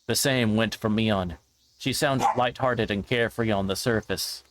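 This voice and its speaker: A man with a lowish voice reads visual novel narration live on stream, a little slowly and sometimes stumbling on words. Background music plays, along with slight noise.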